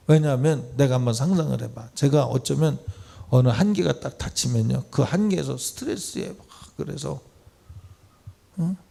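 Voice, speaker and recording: A male pastor delivering a lively sermon, moving between polite speech and blunt, informal address to his listeners. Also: medium pitch, vocal fry, slightly rough. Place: church sanctuary.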